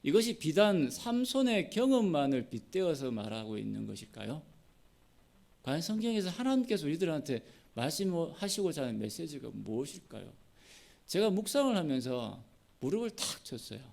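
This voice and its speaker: Male preacher, animated sermon delivery, acts out the dialogue, gravel in the voice. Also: a little high, moderate pace. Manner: lively storytelling, acting out characters' lines. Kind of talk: expository sermon.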